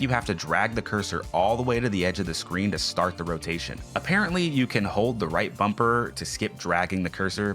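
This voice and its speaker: Man, low voice, scathing sarcastic critic, blunt swearing, scripted game review narration, music behind. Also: a bit bright. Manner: blunt, profane.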